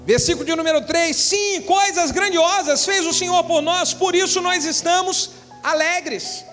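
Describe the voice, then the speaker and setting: A man, a pastor with a Brazilian Portuguese accent, preaching a fervent sermon that swells into shouts. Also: extremely high pitch, a little slow, faint music behind. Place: large church hall. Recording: church hall with long reverb.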